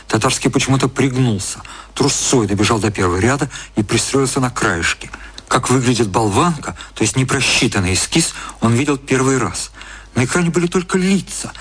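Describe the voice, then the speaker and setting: A man's voice: medium pitch, fairly bright tone. A man reading scripted narration for a radio drama. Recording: roomy echo. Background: music.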